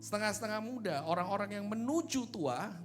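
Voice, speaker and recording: Male pastor, high voice, informal teasing sermon delivery over instrumental music. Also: a little fast. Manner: informal, teasing, checks often with listeners using rhetorical questions. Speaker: pastor, preacher. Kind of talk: sermon, conversational and joking.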